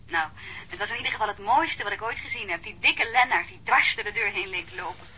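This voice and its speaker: A woman's voice: mid-range voice, fast, bright, forceful tone, lightly acted. A woman playing a frank, compassionate, self-effacing police helper in a radio crime drama, informal and a little hesitant, on a slightly noisy line. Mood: relieved, admiring.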